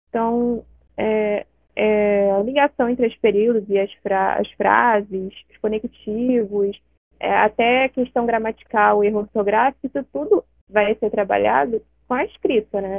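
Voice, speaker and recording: A woman's normal speaking voice, fairly high in pitch, with ordinary pitch variation and a fairly slow pace. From Brazil, Rio de Janeiro. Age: 20s. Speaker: student. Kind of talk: interview.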